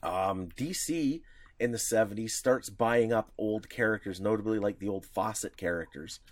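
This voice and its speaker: A podcast co-host chats casually about comics history in a voice on the low side, at a moderate pace with no room sound. He rambles, leaning on lots of fillers and restarts.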